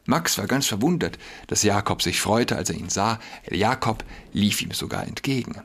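A man reading a fable aloud in a husky voice, letting his pitch rise and fall freely. The delivery is expressive and storybook-like, with a mid-range tone. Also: normal speed.

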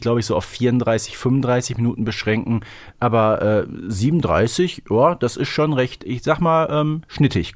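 A man's voice: medium pitch, no room sound. A man in his forties co-hosting a podcast in a casual, conversational style. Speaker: podcast co-host. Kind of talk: casual chat.

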